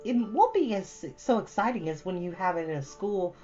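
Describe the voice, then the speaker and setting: A woman's voice: mid-range voice, lively intonation, normal speed, mellow, soft background music, voice pushed up, natural voice. A woman voicing an eager, gushing young schoolgirl with breathless, theatrical delivery as she reads a storybook. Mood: eager, modest. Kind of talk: storybook character reading. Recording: dull lo-fi audio.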